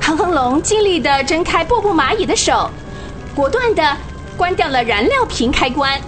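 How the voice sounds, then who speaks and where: A woman narrating a children's radio drama with expressive, vivid storytelling. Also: sits high, normal speed, soft background music.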